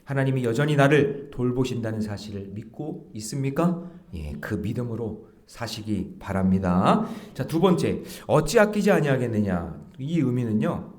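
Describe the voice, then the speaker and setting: A middle-aged male pastor giving an early-morning sermon in a lively, conversational way, acting out bits of dialogue as he preaches in a church. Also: mid-range voice, unhurried. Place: church sanctuary.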